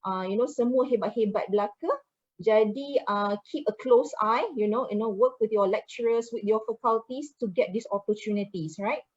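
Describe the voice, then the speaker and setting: Malaysian woman pitching her uni to students, chatty, mixes in malay, kinda muffled audio. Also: moderate pace. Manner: chatty, switching into Malay phrases. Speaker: university representative presenting to prospective students. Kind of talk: promotional presentation.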